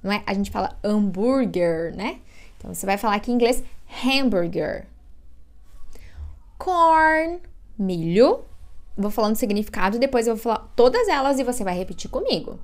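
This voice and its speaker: A Brazilian woman with a Brazilian Portuguese accent teaching English vocabulary to Portuguese speakers, drilling words slowly for the viewer to repeat and adding chatty asides. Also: a little high, big pitch swings. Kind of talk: bilingual vocabulary lesson.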